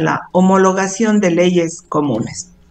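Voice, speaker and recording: Fairly slow speech from a woman, medium in pitch, with ordinary pitch variation. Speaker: lawyer, director of a rights organization. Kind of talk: radio interview.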